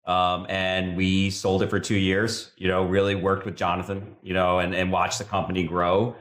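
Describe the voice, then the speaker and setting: Low voiced guest guy, steady and plain, lots of uhs, echoey. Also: normal speed. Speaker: operations lead, guest. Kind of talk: casual interview chat.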